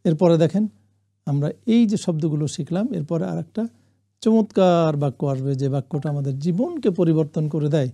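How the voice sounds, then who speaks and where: A man teaching the meaning of Quranic Arabic words, reciting phrases slowly for listeners to repeat and adding English glosses. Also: fairly high pitch, mellow. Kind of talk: classroom lesson on Quranic Arabic.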